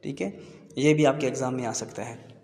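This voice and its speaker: Man, english teacher, slow explanatory lesson, echoey room, long reverb. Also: mid-range voice, fairly even intonation, warm tone. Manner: slow, explanatory, repeats terms.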